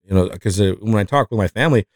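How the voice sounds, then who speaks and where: Man, low voice, mexican accent, rambling podcast host, dry sound. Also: fast talker, dry recording. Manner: rambling, self-reflective, many fillers and restarts. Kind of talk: casual podcast chat.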